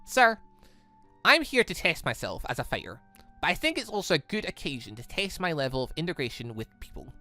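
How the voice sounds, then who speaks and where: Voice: mid-range voice, very animated, brisk, bright, forceful tone, faint music behind. A game player voicing an earnest young android girl who speaks in a polite, formal, eager way.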